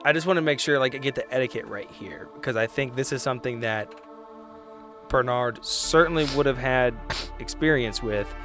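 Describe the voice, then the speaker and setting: A man chatting casually as a player in a tabletop game, with hesitant, halting phrasing. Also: mid-range voice, a bit bright, faint music behind. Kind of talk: casual chat.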